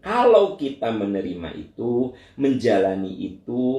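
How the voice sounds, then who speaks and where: A man's voice: sits low, reverberant. A middle-aged male Islamic preacher, answering questions in a lecture and talking straight to his listeners. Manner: animated, voice leaps up for emphasis, talks to listeners directly. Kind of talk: Q&A religious lecture.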